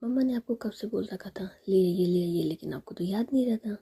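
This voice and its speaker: A woman's voice: medium pitch, brisk, vocal fry, dark tone, breathy edge. A woman voicing a playful but worried young woman facing an arranged marriage, whispered.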